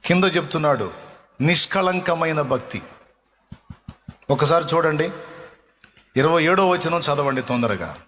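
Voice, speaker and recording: A man preaching a sermon as a pastor, with emphatic repetition and slowing down for stress. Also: fairly high pitch, expressive, a bit bright, in a large hall, slight background noise.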